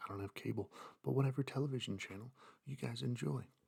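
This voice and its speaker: Soft-spoken male whispering with vocal fry, a relaxed tone and a moderate pace. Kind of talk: ASMR sleep talk, casual rambling about self-care. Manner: soft-spoken, whispered, relaxed.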